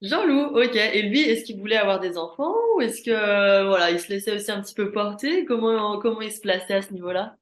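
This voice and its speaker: A woman's voice: mid-range voice, a little fast, hardly any pauses, reverberant. A woman hosting a podcast interview, asking questions and encouraging her guest with short affirmations. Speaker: podcast host. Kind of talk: conversational interview.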